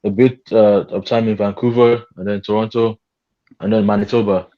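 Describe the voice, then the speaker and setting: A man's voice: fairly low pitch, fairly even intonation, normal speed. A man chatting casually on a video call, friendly and a little hesitant. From Nigeria. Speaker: panel guest. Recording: lo-fi call audio.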